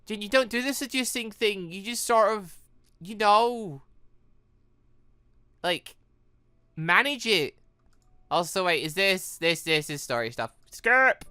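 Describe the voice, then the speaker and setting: Male gaming commentator, lively swooping pitch, bright tone, rambling casual asides, dry recording. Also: takes it slowly, pauses often, smooth, no echo. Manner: rambling, animated, stammering asides. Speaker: gaming video host. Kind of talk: casual game playthrough commentary, reading dialogue aloud.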